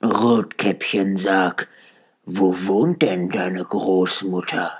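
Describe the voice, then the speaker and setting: A cunning, greedy fairy-tale wolf, acted out by a man. The voice is low and hushed, with slow, coaxing delivery that schemes as it goes. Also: fairly even intonation, breathy edge, full character voice.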